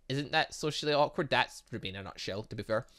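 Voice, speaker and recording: A game playthrough host reading aloud and commenting in a rambling, excitable, self-interrupting way. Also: mid-range voice, fast talker. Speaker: gaming video host.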